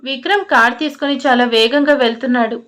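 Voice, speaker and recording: A woman's voice: sits high, fairly quick, a bit bright. A woman narrating a romantic drama audiobook, reading every character in much the same voice.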